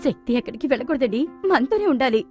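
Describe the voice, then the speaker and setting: An actress playing a middle-aged mother who scolds her talkative brother with quick retorts. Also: high-pitched, big pitch swings, mellow, soft background music. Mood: coaxing. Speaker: mother and elder sister in a family film. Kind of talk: film dialogue.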